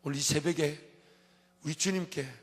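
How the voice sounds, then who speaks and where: A male pastor preaching an emphatic dawn-service sermon, repeating his refrains and swinging between soft and loud passages. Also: fairly high pitch, steady tone, moderate pace. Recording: long church hall reverb.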